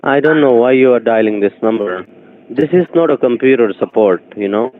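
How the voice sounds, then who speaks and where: A man's voice: mid-range voice, brisk. Brief: evasive scammer man, repeats himself, broken English, tinny phone line. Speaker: phone scammer answering a call.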